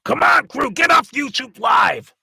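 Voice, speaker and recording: A man voicing a brash, scrappy raccoon who shouts in a high voice. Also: animated, measured pace, creaky, breathy edge, no room sound, clean studio sound, full character voice. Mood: shouty.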